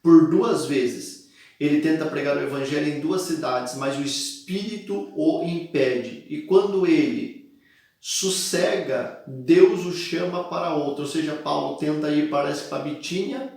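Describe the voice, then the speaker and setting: Gravelly Brazilian pastor in an echoey room. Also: male voice, a little high, darkish tone, recorded from a distance. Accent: Brazilian Portuguese. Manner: preaching with emphatic repetition and dramatic pauses. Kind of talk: sermon teaching.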